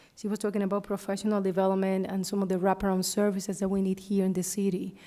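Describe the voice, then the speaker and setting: A woman with a non-native accent talks very fast in a dark, mellow tone, her intonation monotone and flat and her loudness very even. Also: medium pitch for a woman. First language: not English. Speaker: school board member. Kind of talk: public meeting remarks. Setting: board meeting. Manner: hesitant, many fillers.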